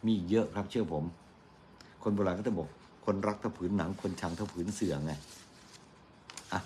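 A man's voice: sits low, darkish tone, a little hiss or hum. A middle-aged man from Thailand giving casual, argumentative morning news commentary on radio, chatty and quoting his critics mockingly.

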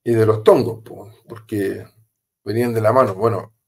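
A man's voice: fairly low pitch, fairly even intonation, moderate pace, vocal fry. A man with a Chilean accent, a former police officer, telling a story as an interview guest, emphatic and repetitive with casual slang.

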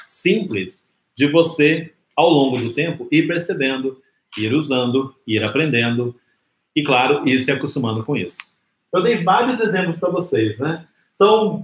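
A Brazilian man teaching an English lesson in Portuguese, slowing down to model English phrases. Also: medium pitch, roomy sound, rough recording. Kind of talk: live online English lesson.

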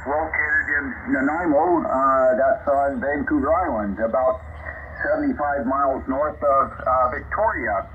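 A man's voice: medium pitch, a little slow. A man chatting casually as a ham operator, heard through a radio transmission. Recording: tinny, very noisy shortwave radio link.

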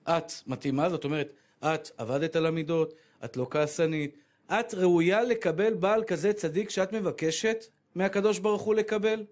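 A man giving a humorous sermon as a rabbi, telling lively stories and acting out the voices of the people in them. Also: fairly high pitch. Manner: animated storytelling, acts out voices of women and his wife.

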